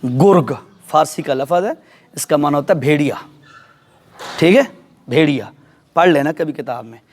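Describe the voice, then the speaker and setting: A man giving a sermon in a mosque, telling a story and checking in with his listeners. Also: fairly high pitch. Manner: animated storyteller, addresses audience directly. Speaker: preacher.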